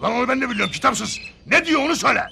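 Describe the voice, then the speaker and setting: An actor playing a loud, pushy street watermelon vendor who bellows his cries and talks coarse and cheeky, outdoors in a sitcom. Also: extremely high pitch, lively intonation, very fast, vocal fry, slight background noise, full character voice. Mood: scolding. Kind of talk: sitcom acting. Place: outdoors in a holiday housing estate.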